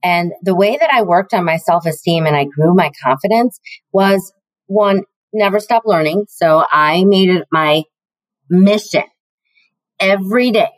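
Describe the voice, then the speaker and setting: A middle-aged woman with a deeper, lower voice speaks with calm, emphatic confidence. She is recorded close and dry, with no room sound at all. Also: no room sound, low-quality recording. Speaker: guest, learning and development executive. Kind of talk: podcast interview answers.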